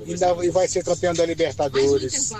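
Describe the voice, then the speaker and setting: A man's voice: fairly high pitch, steady tone, brisk, over a noisy crowd. A man leaving a cheerful, hopeful message for a radio show from his car. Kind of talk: casual call-in message.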